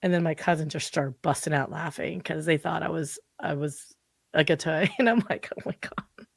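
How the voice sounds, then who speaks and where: Speaking at a moderate pace in a low, creaky voice, a marketing consultant in her forties guests on a podcast. The clean studio sound has no echo. Her interview chat is casual and energetic, loaded with "like" fillers.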